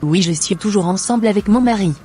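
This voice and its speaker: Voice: mid-range voice, quick pace, darkish tone, slight background noise, close to an everyday voice. A voice actor playing a remorseful unfaithful woman in a Christian cartoon, who speaks in a pleading, contrite way.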